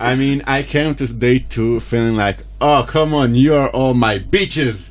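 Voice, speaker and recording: A man with an Israeli accent speaks at a fairly slow pace in a medium pitch, with ordinary pitch variation and noticeable background noise. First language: Hebrew. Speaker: podcast co-host, poker player. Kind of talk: casual chat. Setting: studio. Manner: halting, many repeated words.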